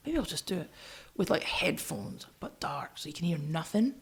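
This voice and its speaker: A woman's voice: low voice, sing-song, normal speed. A woman co-hosting a podcast, chatting casually about music. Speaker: podcast co-host.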